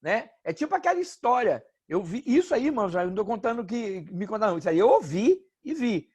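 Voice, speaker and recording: Lively high-voiced joking pastor man. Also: quick pace, breathy edge. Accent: Brazilian Portuguese. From Brazil. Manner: joking storyteller, animated asides. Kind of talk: informal sermon.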